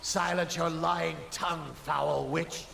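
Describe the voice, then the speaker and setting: Through loud background noise, a merciless male witch hunter from a dark video game. The voice is fairly high for a man and gravelly, with slow, severe condemnation. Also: steady tone, reverberant, heavily acted. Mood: stern, condemning. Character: stern, merciless male religious zealot hunting witches. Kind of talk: dramatic video game acting.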